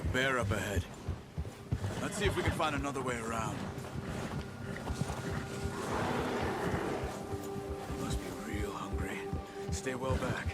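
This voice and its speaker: An actor playing a wary, self-reliant Western outlaw tracker in a video game, terse and plain-spoken, with an American accent. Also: male voice, lowish voice, natural voice. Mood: alert, cautious. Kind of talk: video game character dialogue. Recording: loud music behind the voice. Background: loud game music.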